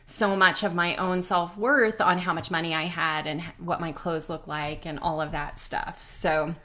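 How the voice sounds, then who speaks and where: A woman's voice: on the low side, steady tone, normal speed, sharp tone. A woman hosting a live online talk with her husband. She speaks candidly and chattily, laughing often as she asks questions. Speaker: host. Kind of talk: live-stream conversation.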